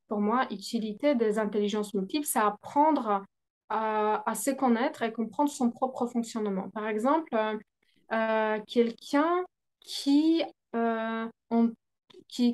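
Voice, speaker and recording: A woman whose first language is not French, a business coach answering interview questions with frequent fillers and hesitations. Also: fairly high pitch. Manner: hesitant, many fillers, laughs often.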